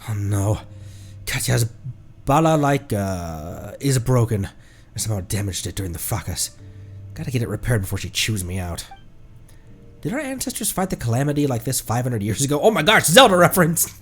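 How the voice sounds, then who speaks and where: A man's voice: mid-range voice, very animated, normal speed, a bit bright, husky. A man commentating live on a game he plays and reading its text aloud, in a playful, exclaiming manner. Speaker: game streamer. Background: music.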